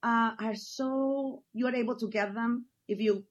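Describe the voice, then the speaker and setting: Enthusiastic woman from Ecuador, fairly high voice. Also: steady tone, unhurried, muffled recording. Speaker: guest. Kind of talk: casual conversational interview.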